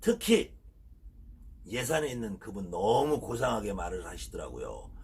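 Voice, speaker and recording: An animated man with a Chungcheong accent, amid audible room echo. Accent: slow Chungcheong speech. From Chungcheong, Korea. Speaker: shaman ritual master and teacher. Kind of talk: lecture. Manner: animated ranting.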